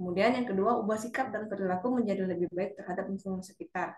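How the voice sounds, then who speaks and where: A woman talking at a very fast pace. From Sumatra, Indonesia. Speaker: civil servant presenting a book review. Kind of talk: book review presentation. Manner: casual, with fillers.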